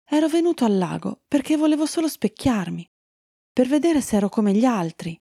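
A woman voicing a shy, frightened young male black unicorn in a children's story, speaking softly and hesitantly. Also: big pitch swings, moderate pace, gravelly, husky, no echo, studio quality, full character voice. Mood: timid. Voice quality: soft, low-spoken. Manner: hesitant, trembling.

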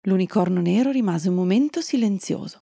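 A woman narrating a fairy tale for children, telling it in a calm storytelling manner and greeting young listeners at the end. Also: medium pitch, brisk, vocal fry, slightly rough, no echo, studio quality.

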